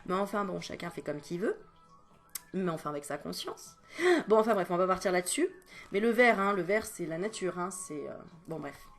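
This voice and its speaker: A woman's voice: lowish voice, normal speed, soft background music. A woman energy healer chatting through spiritual advice at home, digressing often and adding joking asides. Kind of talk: casual spiritual advice vlog.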